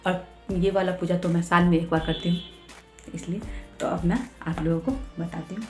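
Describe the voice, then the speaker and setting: Give me a woman vlogger with a slightly low voice chatting through her home puja routine step by step. The room rings with echo, and soft music plays faintly underneath. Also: little pitch movement, moderate pace. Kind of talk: casual devotional vlog talk.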